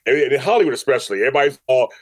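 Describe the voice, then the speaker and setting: A man's voice: mid-range voice, racing, no room sound, clean studio sound. An American man in his fifties chatting casually and jokingly as a podcast guest. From Los Angeles, United States. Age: 50s. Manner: animated, joking, conversational. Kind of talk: casual interview chat.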